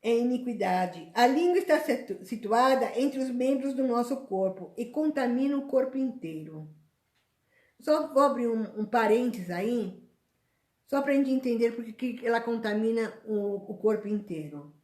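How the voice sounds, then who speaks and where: A woman preaching a sermon in an animated way, acting out the complaints of other people. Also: fairly high pitch, moderate pace. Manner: animated, acts out complaining voices. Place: church hall. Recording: echoey church room.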